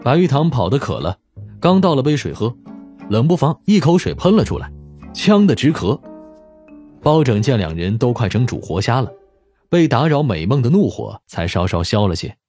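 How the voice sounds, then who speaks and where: A man's voice: mid-range voice, very animated, moderate pace, a little mellow, soft background music. A man narrating a scripted audiobook story as its narrator.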